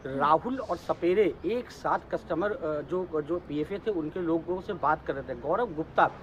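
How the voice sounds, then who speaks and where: A high-pitched male news reporter explains a story live. His delivery is halting and repetitive, with faint outdoor city noise and vehicles behind him. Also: poor audio.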